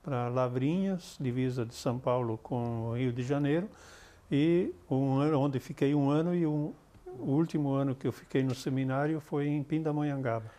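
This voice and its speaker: An older man with a southern Brazilian accent, recollecting in a measured, explanatory, conversational way as an interview guest. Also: mid-range voice, warm tone. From Santa Catarina, southern Brazil. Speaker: interview guest, retired army colonel.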